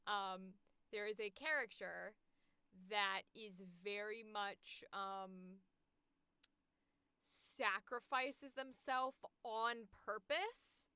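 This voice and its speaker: A woman hosting a livestream in casual chat, speaking in an animated, informal and eager way. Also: mid-range voice, clean tone, no echo.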